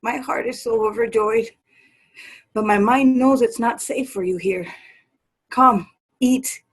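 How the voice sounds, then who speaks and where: Woman doing an old latina mama in a play, slow and husky, fusses and scolds, spanish pet names. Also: on the high side. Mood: tender, anxious. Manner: fretful, exclamatory, peppers speech with Spanish endearments. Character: old doting, scolding Latina mother and household servant. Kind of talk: virtual play reading, stage acting.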